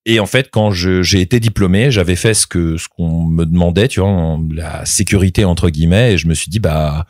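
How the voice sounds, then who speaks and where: A man's voice: low-pitched, a little fast, dry recording, clean studio sound. A man in his thirties, a voice actor being interviewed, talking casually with many fillers and restarts. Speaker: voice actor guest.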